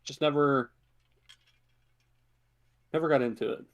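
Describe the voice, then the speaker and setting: A man's voice: mid-range voice, fairly even intonation, measured pace. A man co-hosting a podcast in casual chat, laid-back and a little hesitant. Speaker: podcast co-host.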